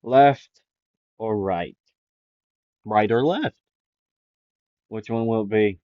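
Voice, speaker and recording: A man's voice: fairly low pitch, slow pace, no echo, lo-fi sound. A man voicing a smug male villain magician in a mock Italian mafia-style voice, drawling his taunts. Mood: taunting.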